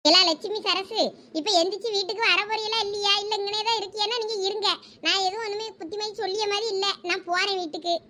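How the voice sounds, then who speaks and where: A woman's voice: very high voice, steady tone, fast, bright, forceful tone. A woman with a Thoothukudi Tamil accent acting out gossipy, scolding village women in a comedy sketch.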